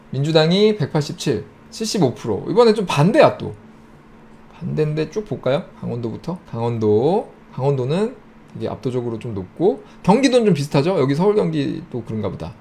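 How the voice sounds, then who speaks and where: Gravelly man talking through data. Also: on the high side, a little mellow. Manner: thinks aloud, lists regions in quick clipped phrases. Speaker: YouTube host. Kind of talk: casual screen-share data walkthrough.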